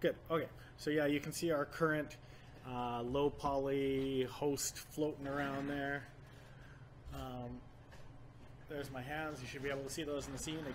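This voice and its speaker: A man's fairly high, monotone, flat voice at a moderate pace, with long, frequent pauses and light background noise. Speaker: game developer. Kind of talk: dev diary video. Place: office.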